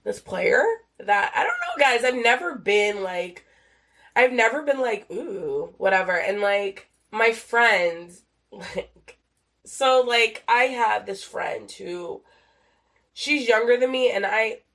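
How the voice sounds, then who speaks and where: A woman's voice: a little high, animated, takes it slowly, fairly bright tone. Chatty young woman, nasal from a cold. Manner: rambling, swears a lot, many fillers. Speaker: podcast host. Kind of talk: casual solo podcast chat.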